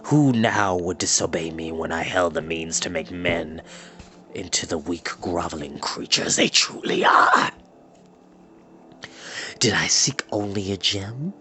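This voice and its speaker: A man voicing a cold, cruel, arrogant wizard in a storybook, with a hissing, whispery voice and a slow, menacing, contemptuous manner. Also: sits low, sharp tone, pitched below the performer's own voice. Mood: gloating. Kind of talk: storybook character voice.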